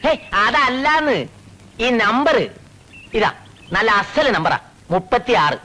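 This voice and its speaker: An actor playing a sly, gossiping village herbal healer who talks in a fawning, wheedling way. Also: male voice, very high voice, sing-song, slow, sharp tone, full character voice.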